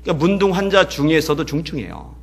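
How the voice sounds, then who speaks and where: A man preaching as pastor, telling a story and swinging between hushed passages and loud, emotional peaks. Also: a little high, very animated, quick pace, vocal fry, husky. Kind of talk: sermon. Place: church.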